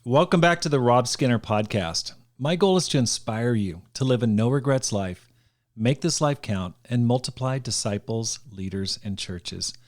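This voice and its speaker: A man's voice: mid-range voice, darkish tone. A man hosting a podcast, introducing guests and asking interview questions in an upbeat, encouraging way. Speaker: podcast host.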